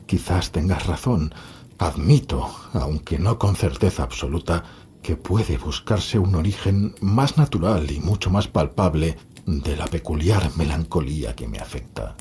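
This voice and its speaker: A man playing a frail, melancholy last heir of a doomed family in a gothic horror audio drama, brooding and halting in his delivery. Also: a bass voice, animated, dark tone, a little hiss or hum. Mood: resigned, melancholy.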